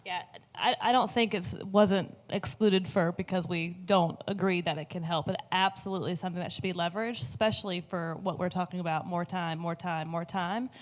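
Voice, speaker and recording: A woman with a somewhat low voice answers a question from a conference panel. She speaks emphatically and affirms what she says with repetition. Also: steady tone, brisk, few pauses.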